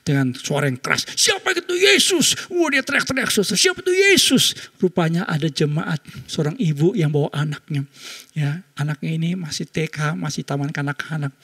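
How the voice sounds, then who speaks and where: Husky-voiced pastor telling a joking sermon. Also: male voice, a little high. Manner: storytelling, punning jokes.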